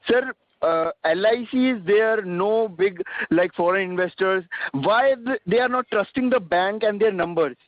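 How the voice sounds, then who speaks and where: North Indian accent, high-pitched man, halting insistent caller, Hindi words mixed in, dry phone-like audio. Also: dry recording. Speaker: caller asking questions on an earnings call. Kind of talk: spontaneous questioning. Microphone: phone or conference line.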